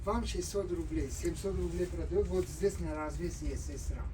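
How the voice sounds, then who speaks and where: A woman with a Central Asian accent, a non-native speaker, selling to customers in simple, halting phrases. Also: fairly low pitch. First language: not Russian. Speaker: market vendor. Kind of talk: casual sales talk with customers. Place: shop. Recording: noisy shop ambience. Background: clear background noise.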